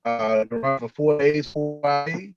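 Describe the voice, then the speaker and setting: A man's voice: fairly high pitch, measured pace, gravelly, over music. A man reports to a city meeting over a remote video call whose audio stutters and breaks up, words cut and stretched. His voice comes through a dull, lo-fi line. He talks hesitantly, leaning on fillers. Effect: choppy breaking-up video call audio. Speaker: city department director giving an update.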